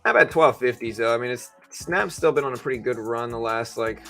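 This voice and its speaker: A man's voice: mid-range voice, fairly quick, fairly bright tone. A man hosting a casual market livestream, chatting informally to viewers and thinking aloud as he goes. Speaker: livestream host, stock trader. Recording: music playing in the background. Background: music.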